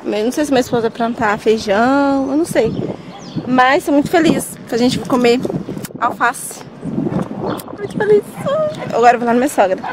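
A woman's voice: a little high, fairly quick, noisy background. A young Brazilian woman chatting casually to her viewers while walking through her vegetable garden and pointing things out. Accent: Brazilian Portuguese. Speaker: vlogger. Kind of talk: casual vlog chat to viewers. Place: outdoors in a vegetable garden on a farm.

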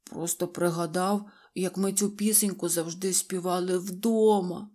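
A woman voicing a grumpy little boy quietly recalling a song from home. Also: lowish voice, steady tone, unhurried. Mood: wistful.

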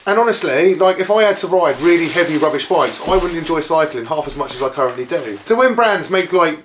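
A hoarse man in his thirties chatting casually to camera about bikes in a small living room. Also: a little high, animated, fairly quick, slight background noise. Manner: chatty, upbeat, full of filler "like"s. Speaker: bike vlogger. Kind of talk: casual vlog chat to camera. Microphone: camera close up.

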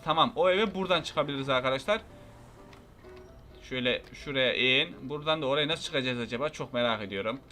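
A young man commentating his own gameplay, excitable and full of exclamations as he talks to himself and his viewers. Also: a little high. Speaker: gaming YouTuber.

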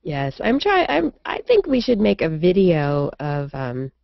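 A woman in her thirties, hoarse from a cold, co-hosting a live science webcast from home and chatting casually, often restarting her sentences. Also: fairly low pitch, wildly swooping pitch, measured pace, no echo. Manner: chatty, trails off and restarts mid-thought. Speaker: science show co-host. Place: small room at home, indoors. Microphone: desk studio mic, video call. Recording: dull lo-fi webcast audio.

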